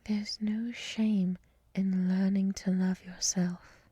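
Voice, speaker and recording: A woman playing a gentle, wise monster lady in an ASMR roleplay, whispering softly in a soothing, reflective, encouraging way, close to the mic. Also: mid-range voice, flat delivery, slow, no room sound, highs cut off. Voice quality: soft, breathy whisper. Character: gentle, wise monster woman with many eyes, hotel resident. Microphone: close mic, dry.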